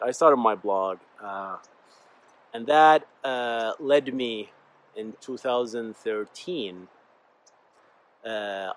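A man's voice: lowish voice, a bit bright. A man in his thirties from Bahrain, a native Arabic speaker with an Arabic accent, talking casually and in a rambling, informal way as a solo podcast host. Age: 30s. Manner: informal, rambling, addresses listeners as "guys". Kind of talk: casual solo talk, personal storytelling.

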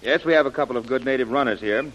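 Brisk male expedition commander, played by an actor, crisp and commanding, over a faint hiss. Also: mid-range voice, fairly bright tone, muffled recording, lightly acted. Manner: crisp, commanding, giving orders. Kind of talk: 1930s radio drama acting.

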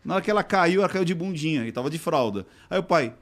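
A man in casual podcast chat, telling anecdotes in an animated way and acting out what other people said. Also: a little high, quick pace. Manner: animated storyteller who acts out other people's lines. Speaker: podcast participant.

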